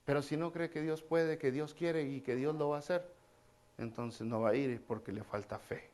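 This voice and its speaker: Folksy higher-voiced preacher. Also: male voice, normal speed, darkish tone. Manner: casual and folksy, repeats key phrases, addresses listeners as brother. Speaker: pastor. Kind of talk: conversational sermon.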